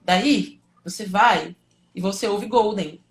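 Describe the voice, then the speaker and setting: A woman with a Brazilian accent speaks at a medium pitch as she teaches live. She explains things informally, as if chatting with students, often asking a question and answering it herself, with small check-in tags along the way. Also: slow. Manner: conversational and didactic, asks and answers own questions, frequent check-in tags. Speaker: teacher and study coach hosting a livestream.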